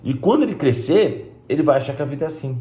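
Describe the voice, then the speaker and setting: Speaking fast in a warm, expressive voice on the high side, this man hosts a spiritist video and addresses the camera casually. He's blunt and emphatic, sprinkling in "né?" asides, and the room echoes noticeably.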